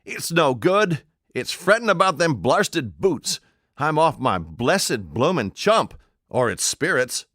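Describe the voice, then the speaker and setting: A man voicing an excitable old English tramp who blusters and fumbles his words in an audiobook. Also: on the high side, slow, no echo, studio quality, voice pushed up, full character voice. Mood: flustered. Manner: blustering, flustered, dialect-heavy. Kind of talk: audiobook character voice.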